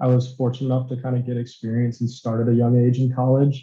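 Very fast and in an American accent, a man speaks with monotone, flat intonation. His voice is somewhat breathy with a dark, mellow tone. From Michigan. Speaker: college lacrosse goalie. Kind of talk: interview.

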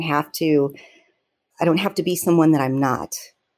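With a Kentucky accent, a woman speaks in a very deep, low pitch. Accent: Kentucky Southern American. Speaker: bereaved mother and nurse. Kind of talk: personal testimony interview.

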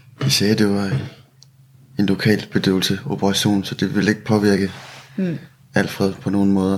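The speaker moves at a moderate pace with ordinary pitch variation and long, frequent pauses, over noticeable background noise. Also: man, fairly low pitch for a man. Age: 30s. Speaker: bereaved parent. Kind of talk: testimony.

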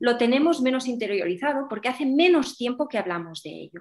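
This woman's voice is high in pitch. She talks at a fairly quick pace. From Andorra. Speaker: nutritionist and university lecturer. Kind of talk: interview.

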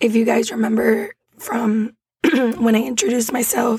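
A woman is whispering at a fairly slow pace. Her voice is raspy, with a husky, rough edge.

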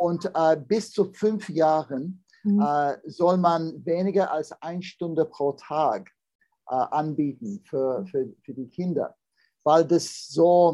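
With an English-speaking accent, a man speaks at a very slow pace, his pitch high and his tone dark and mellow. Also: ordinary pitch variation. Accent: English-speaking foreign accent in German. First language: English (speaking German). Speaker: psychiatrist. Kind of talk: interview. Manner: halting, many hesitations.

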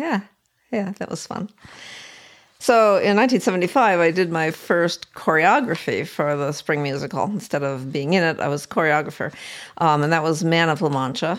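With an American accent, a plain, everyday voice speaks at a moderate pace. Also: woman, fairly low pitch for a woman, lively intonation. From upstate New York. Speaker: EMT and publisher. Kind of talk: casual interview.

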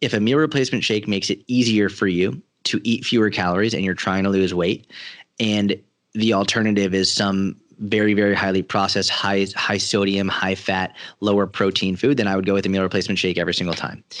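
With an ordinary speaking voice, a man speaks at a fairly quick pace and fairly low pitch, his intonation fairly even and his loudness very even against a quiet background. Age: 20s. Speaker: fitness coach. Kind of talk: interview.

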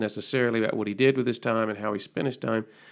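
A medium-pitched man with an American accent, in a very clean recording with a silent background. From US South, southern Arkansas. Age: middle-aged. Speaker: podcast host. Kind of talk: casual interview.

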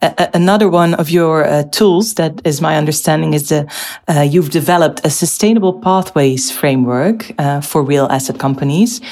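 Speaking at a moderate pace with hardly any pauses, a woman has a very deep, low pitch, ordinary pitch variation and very even loudness over noticeable background noise. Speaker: podcast interviewer. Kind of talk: interview.

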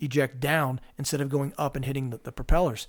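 With a very clean recording and a silent background, a man delivers his lines fairly quickly in an unremarkable speaking voice that is fairly high in pitch. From Pennsylvania, southern Lancaster County. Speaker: firearms trainer, army veteran. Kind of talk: casual chat. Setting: office.

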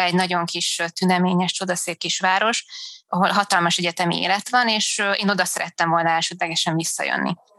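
A woman speaks in a monotone, flat intonation. Her tone is bright and sharp. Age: 20s. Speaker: master's student abroad. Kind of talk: interview. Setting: remote call.

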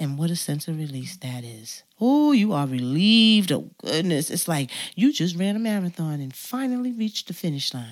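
A woman with fairly low pitch speaks in an animated tone at a moderate pace, with very wide pitch swings and hardly any pauses, on a very clean recording with a silent background. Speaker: podcast host. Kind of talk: solo monologue.

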